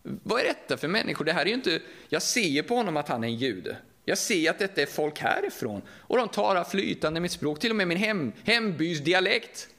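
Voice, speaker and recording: Preaching in a lively, conversational style, a middle-aged man with a Västergötland accent from Sweden often turns to the audience with questions. His voice sits high, and he leaves few pauses.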